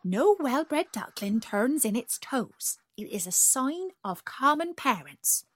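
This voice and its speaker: Lady doing a prim mother duck from a storybook, protective, soft husky voice. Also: high voice, sing-song, slow, no echo, pitched above the performer's own voice, exaggerated voice. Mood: gentle.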